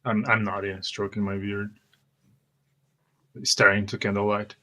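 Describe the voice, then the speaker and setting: Slow, low, even-toned man roleplaying. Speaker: tabletop roleplay player. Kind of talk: in-character roleplay mixed with first-person narration.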